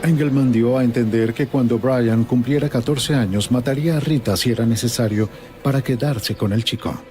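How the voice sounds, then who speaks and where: Dark-voiced male true-crime narrator. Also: medium pitch, soft background music. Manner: even, measured storytelling. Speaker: documentary narrator.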